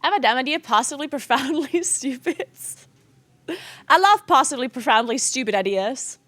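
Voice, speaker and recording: A woman's voice: sits high, lively intonation, moderate pace, a bit bright, dry recording. A woman from South Tyrol with a South Tyrolean accent in her English, chatting casually and in a giggly way as a livestreamer. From South Tyrol, Italy. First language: not English. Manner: giggly, laughs often while talking. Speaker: game streamer and esports caster.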